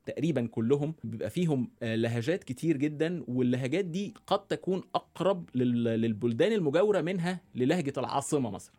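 A man from Egypt with a Cairene Egyptian Arabic accent, a journalist guest on an interview podcast who pauses and restarts as he thinks. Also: medium pitch, expressive, dark tone. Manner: thoughtful, many hesitations and restarts. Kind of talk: conversational interview. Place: radio studio.

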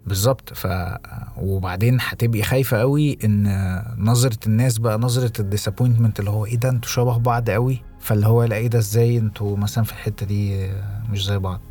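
A young Egyptian man co-hosting a podcast, talking reflectively with halting restarts and English phrases mixed in. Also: lowish voice, fairly even intonation, mellow, husky, soft background music. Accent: Egyptian Arabic. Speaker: podcast co-host. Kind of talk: casual podcast conversation.

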